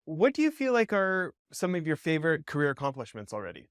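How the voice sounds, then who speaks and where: Man, from Western Canada, interview host, rambling questions, smooth clear voice, dry close sound. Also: fairly high pitch, wildly swooping pitch, fast, fairly bright tone, no echo. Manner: rambling, many fillers, like and restarts. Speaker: podcast host. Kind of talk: casual interview.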